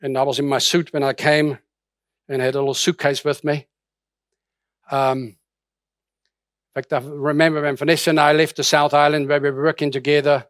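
A man's voice: on the high side, little pitch movement, normal speed, pauses often, no echo, studio quality. A middle-aged man from Austria preaching a sermon in a conversational way, with many restarts and fillers. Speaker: pastor.

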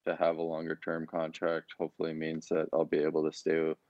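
Deep flat-voiced young man, dull dry audio. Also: fairly quick, no echo. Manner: hesitant, many fillers and restarts. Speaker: interviewed hockey player. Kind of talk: press conference answers.

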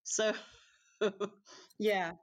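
A woman from Brazil with a Brazilian accent, a Portuguese speaker talking in English as an interview guest, in a halting, easygoing way with many pauses and restarts. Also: mid-range voice, steady tone. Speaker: guest, house cleaner. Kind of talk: casual interview chat.

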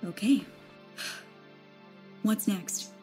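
A woman playing a guarded, reticent young woman in an audio drama, breathy and sparing with words. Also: medium pitch, drawn-out words, warm tone, faint music behind. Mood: tentative. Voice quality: breathy, husky. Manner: short, evasive answers.

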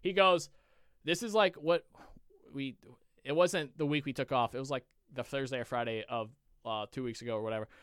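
Bright, crisp young man telling a story. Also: medium pitch, a little fast, no room sound, studio quality. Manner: animated, profane, rambling with restarts. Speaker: podcast co-host. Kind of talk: casual storytelling chat.

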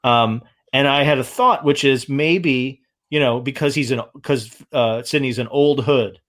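Halting man in casual film talk. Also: medium pitch, fairly bright tone. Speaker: film discussion host. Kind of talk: casual film commentary chat.

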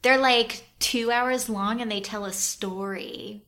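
A woman's voice: a little high, steady tone, takes it slowly, fairly bright tone. A young woman chatting casually as a player in a tabletop role-playing game, upbeat and giggly. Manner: giggly, upbeat, many fillers.

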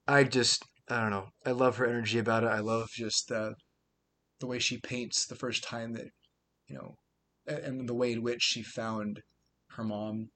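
A male podcast host at an ordinary mid-range pitch, chatting loosely and circling back on himself with lots of ums and you-knows. He sounds easygoing and conversational as he introduces the episode. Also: flat delivery, moderate pace, sharp tone. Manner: rambling, filler-heavy, chatty. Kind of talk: casual podcast introduction and interview.

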